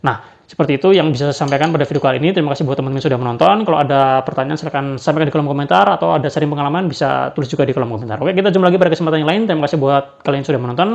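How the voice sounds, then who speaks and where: Man, casual review, gravelly voice, hesitant with fillers, dull lo-fi sound. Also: a little high, rapid-fire. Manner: hesitant, many fillers and tag questions. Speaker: badminton racket reviewer. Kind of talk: casual spoken product review.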